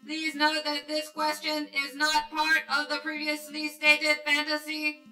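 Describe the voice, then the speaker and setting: Robot seductress for sci-fi radio drama, high voice, echoey, polite but mechanical. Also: female voice, monotone, unhurried, pushed and bright, faint music behind, exaggerated voice. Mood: flatly seductive. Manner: robotic, formulaic, stilted sultry delivery. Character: emotionless seductive female android pleasure node, polite and literal.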